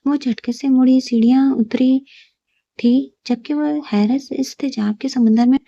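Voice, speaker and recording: A woman reading a romantic audio novel in a steady, even storytelling narration. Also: high voice, dry recording. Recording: dull lo-fi recording.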